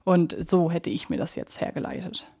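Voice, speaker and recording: A woman's voice: on the low side, lively intonation, moderate pace, vocal fry, dark tone. A woman, co-hosting a podcast and talking things through in a casual, reasoned, explanatory way. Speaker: podcast co-host. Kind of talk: casual fan discussion.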